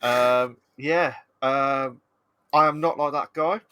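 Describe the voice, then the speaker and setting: Speaking slowly in a medium, steady pitch, this man sounds pushed and bright yet clean, in a dry recording. He's a podcast guest on a relaxed video-call chat, with a Black Country accent from England's West Midlands. His talk wanders, hesitant, with plenty of fillers and false starts.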